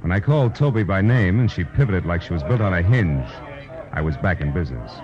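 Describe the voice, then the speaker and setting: A low-pitched, wry American private eye from a vintage radio detective drama. He speaks in a clipped, sardonic, wisecracking way. The recording is dull and muffled, with music behind it. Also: expressive, a little fast. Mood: wry narration. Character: hard-boiled wisecracking male private detective, narrating his case. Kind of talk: 1940s-50s radio detective acting and narration.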